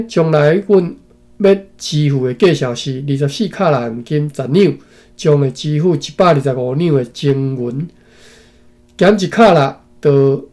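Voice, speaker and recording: A man from Taiwan with a mellow, fairly high voice reads an old text aloud. He goes phrase by phrase and breaks off for asides to his listeners, often ending them with a tag particle. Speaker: reader and commentator. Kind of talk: reading a historical text aloud with commentary.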